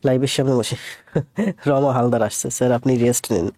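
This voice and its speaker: A man with a cold, speaking slowly and softly as he greets viewers before his live math class. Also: mid-range voice, steady tone, no echo. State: has a cold. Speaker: math teacher.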